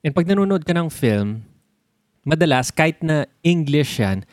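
Animated Filipino man chatting about films. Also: on the high side, normal speed, no room sound, clean studio sound. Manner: animated, explains with examples and sound words. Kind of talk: casual chat about films.

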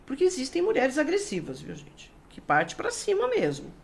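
Middle-aged Brazilian woman, forensic expert guest; lively, gravelly delivery. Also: high voice, normal speed. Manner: animated, explanatory, acts out quoted speech. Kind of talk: casual interview talk.

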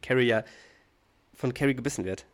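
A man's voice: medium pitch, fairly quick. Easygoing man co-hosting a podcast. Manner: organizes scenes, hesitant with fillers. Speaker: podcast co-host. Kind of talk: casual chat.

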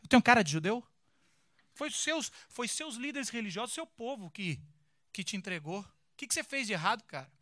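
A man's voice: sits high, big pitch swings, fairly quick, sharp tone, dry recording, studio quality, full character voice. A man with a Brazilian accent voicing a blunt, offended Roman governor who fires off brusque, indignant questions. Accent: Brazilian Portuguese.

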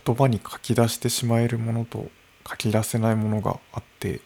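A man in his early thirties talking alone into a microphone in his room, slow and musing, with soft laughs. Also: mid-range voice, little pitch movement, gravelly. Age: early 30s. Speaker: podcast host. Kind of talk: unscripted solo podcast talk. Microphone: podcast microphone.

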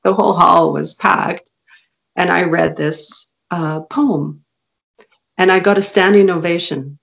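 Slow-talking gravelly woman author. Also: on the low side, fairly even intonation. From Canada. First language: Hungarian. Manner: chatty, laughs often, many restarts. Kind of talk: casual interview chat.

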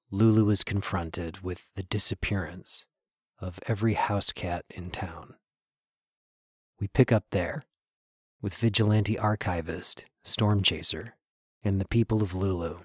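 A man with a husky, breathy voice narrating a scripted podcast introduction in a measured, earnest way. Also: low-pitched, dry recording, clean studio sound. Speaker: podcast writer, producer and host.

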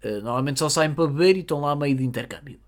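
A podcast host with a European Portuguese accent, telling a comedic story in an animated, jokey way. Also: mid-range voice, rapid-fire. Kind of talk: comedic monologue.

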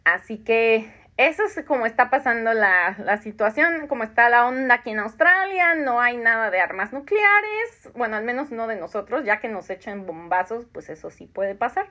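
Her voice sits fairly high, swings widely in pitch, and sounds bright and forceful at a normal speed. She's a Mexican woman in her thirties hosting a casual podcast, where she reads listener comments aloud, answers them, and laughs frequently.

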